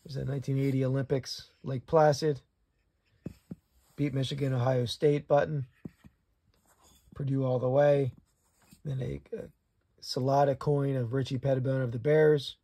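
Gravelly, husky middle-aged man. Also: mid-range voice, normal speed, pauses often. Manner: relaxed, plainspoken, chatty. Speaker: reseller showing flea market finds. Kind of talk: casual haul recap.

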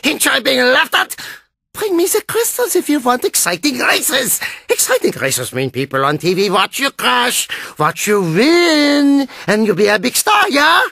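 A performer voicing an excitable, melodramatic male German racer who adores his car, in a video game, with a German accent and theatrical exclamations. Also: high voice, unhurried, vocal fry, dry recording, clean studio sound, exaggerated voice. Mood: pleading, exasperated. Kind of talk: video game character acting.

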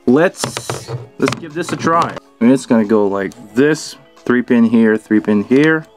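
A man's voice: mid-range voice, animated, a little slow, faint music behind. A middle-aged man casually hosting a product unboxing and review, thinking aloud in an informal way as he goes. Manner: informal, thinking aloud while handling gear. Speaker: video host, product reviewer. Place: small indoor studio at a table.

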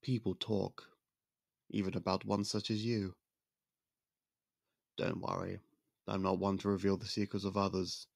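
An actor playing a young prince in an ASMR roleplay, speaking in polite, formal, soft-spoken courtship talk close to the mic. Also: male voice, deep voice, little pitch movement, measured pace, gravelly, pauses often, no room sound. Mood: courteous.

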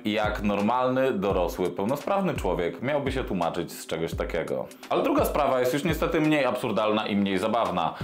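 A man in his thirties ranting sarcastically on a commentary vlog, swearing freely and dropping low for emphasis, recorded indoors on a lapel mic. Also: reverberant. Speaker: commentary vlogger. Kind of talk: scripted commentary rant. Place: small indoor room with desk and monitor.

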